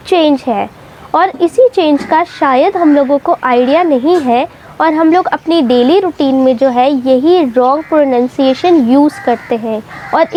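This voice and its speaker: A young woman from Pakistan with a bright, high voice teaches English pronunciation. She talks to her students with patience, going back over each word slowly to demonstrate it. A faint hum of room noise sits under her voice. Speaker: English teacher and channel host. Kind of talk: explanatory lesson to students.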